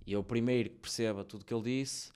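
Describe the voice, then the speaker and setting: A man's voice: mid-range voice, fairly even intonation, quick pace, a little mellow, clear, resonant tone. Casual, slangy Portuguese man. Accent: European Portuguese. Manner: slangy, informal. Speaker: rapper, interview guest. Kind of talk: casual chat.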